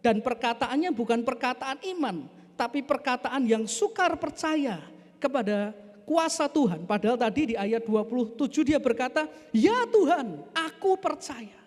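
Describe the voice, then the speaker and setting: A man's voice: very high voice, normal speed. A male pastor preaching a sermon, often addressing the congregation as "brothers and sisters". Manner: addresses the congregation as "saudara", animated storytelling. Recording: echoey church hall.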